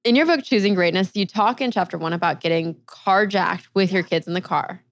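Gravelly woman host, dry sound. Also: on the low side, fairly quick, dry recording. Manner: attentive, asks short questions. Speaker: podcast host. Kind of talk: podcast interview.

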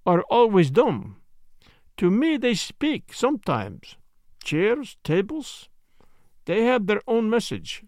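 A man's voice: high voice, wildly swooping pitch, darkish tone, dry recording, studio quality, voice pushed up, heavily acted. A man voicing a polite, self-important Belgian detective with a French-speaking Belgian accent and mannered, precise phrasing, in a storybook reading. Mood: musing. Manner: mannered, deliberate, foreign phrasing.

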